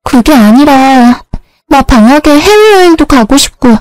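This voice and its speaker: An earnest young little sister defends herself in a high, eager voice, as a woman narrator plays her. The sound is dry and close, with faint music behind. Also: animated, a little slow, a little mellow, no echo, poor audio.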